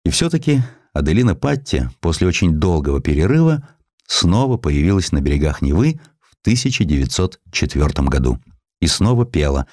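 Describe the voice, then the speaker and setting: A man narrates history. His delivery is theatrical and highly expressive, with wide swings of intonation. The sound is dry and close, as in a scripted audiobook. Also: dry recording.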